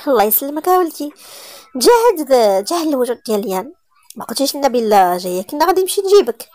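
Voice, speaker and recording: A woman voicing a stern, suspicious middle-aged mother who talks loudly and demandingly, with a Moroccan accent. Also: sits high, sing-song, rapid-fire, no echo, voice pushed up. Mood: scolding.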